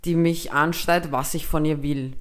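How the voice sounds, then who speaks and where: Here the young Viennese podcast co-host speaks low, with a steady tone and moderate pace, her accent Viennese Austrian German. She narrates a story casually, swears a lot, peppers in English slang and performs both voices of the back-and-forth.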